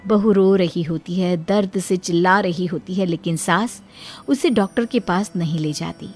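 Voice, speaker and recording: A woman's voice: fairly low pitch, moderate pace, a little mellow, soft background music. A woman giving scripted, dramatic story narration.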